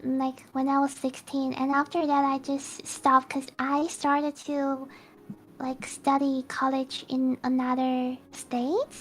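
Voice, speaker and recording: Young woman, chinese speaker, high voice, modest, hesitant. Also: little pitch movement, slow pace. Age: young adult. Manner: modest, hesitant, simple phrasing. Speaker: guest. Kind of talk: casual streamed chat.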